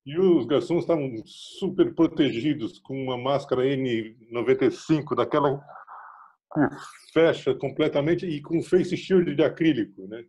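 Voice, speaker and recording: A physician with a São Paulo accent explaining hearing loss and telling a story, acting out the dialogue. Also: male voice, medium pitch, unhurried, dark tone. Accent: São Paulo Brazilian Portuguese. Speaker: physician guest. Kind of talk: explanatory casual chat.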